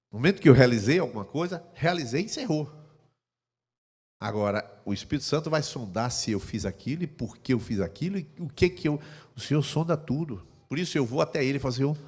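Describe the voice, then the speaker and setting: A man preaching a sermon as pastor, swinging between hushed, intimate passages and loud, impassioned ones. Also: mid-range voice, slightly rough. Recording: long hall reverb.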